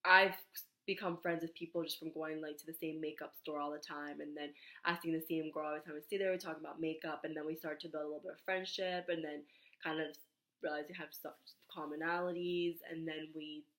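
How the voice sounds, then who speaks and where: A young woman under the weather, her stuffed-up voice sitting somewhat low and a little raspy. She walks through her presentation slide by slide, reading the points aloud and filling gaps with ums and small restarts. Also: level tone, fairly quick, a bit bright. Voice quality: slightly raspy. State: nasal congestion, under the weather. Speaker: student presenter. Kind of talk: recorded class slide presentation.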